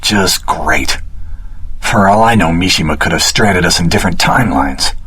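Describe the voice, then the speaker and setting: Game action hero, low-pitched, rough-edged voice, earnest, determined, wryly exasperated, dramatic delivery. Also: male voice, animated, normal speed, sharp tone, heavily acted. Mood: wry, uncertain. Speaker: video game voice actor.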